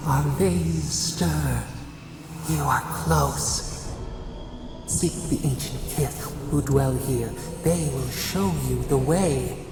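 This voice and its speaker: A woman's voice: very deep voice, creaky, heavily acted. A woman voicing an ancient, sorrowful, mystical voice that speaks inside a game hero's head in solemn, cryptic fragments. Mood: solemn, guiding. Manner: slow, cryptic, fragmented pronouncements. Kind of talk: video game voice acting. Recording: echoing, with music behind.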